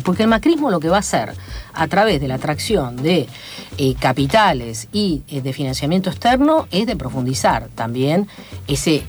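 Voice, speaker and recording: Chilean woman guest on a radio show, lowish voice that swings around a lot, lecturing and measured, lots of ums. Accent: Chilean Spanish. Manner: measured, lecturing, many fillers. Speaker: guest, academic commentator. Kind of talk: radio interview, analytical talk. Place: radio studio.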